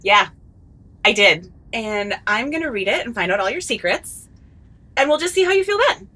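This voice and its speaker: Sneaky teasing chatty gal, comedy drama, bright voice, swoopy and animated. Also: female voice, a little high, moderate pace. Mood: smug, teasing. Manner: chatty, mock-innocent, teasing. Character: cheeky, gleefully sneaky woman, chatty amateur snoop. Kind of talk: comedy audio drama acting.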